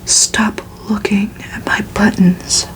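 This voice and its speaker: Woman doing a bossy scornful male vampire, all breathy whisper, slow, storybook asmr. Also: mid-range voice, flat delivery, natural voice. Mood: curt. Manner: scornful, commanding. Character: arrogant, impatient male vampire, bullying and scornful.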